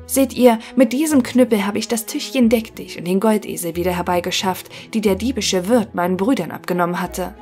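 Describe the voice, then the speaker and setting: A proud young craftsman from an old fairy tale, bold and a little boastful as he talks up his treasure, as a woman reading aloud puts him on. The voice sits at a middling pitch, with soft music in the background. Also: fairly quick, few pauses, lightly acted. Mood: eager.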